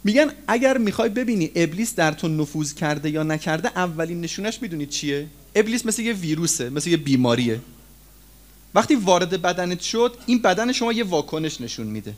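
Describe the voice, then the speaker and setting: A man preaching a sermon to his listeners, with sudden loud rises and low drops as he addresses them as friends. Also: big pitch swings. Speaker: cleric preacher.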